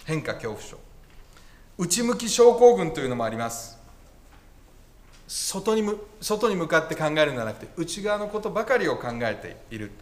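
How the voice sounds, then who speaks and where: A man's voice: on the high side, very animated, moderate pace. A male pastor preaching a conversational sermon with wry asides and self-corrections.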